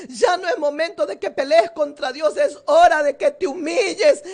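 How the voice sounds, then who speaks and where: A woman preaching a fervent sermon while seated, her voice often tearful and at times rising into loud cries. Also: extremely high pitch. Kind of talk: emotional sermon. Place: seated indoors.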